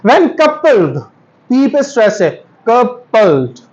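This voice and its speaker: A male English pronunciation teacher, correcting students and repeating words slowly to drill stress in a classroom. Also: very high-pitched, sing-song, a little mellow, dull audio. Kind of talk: classroom lesson.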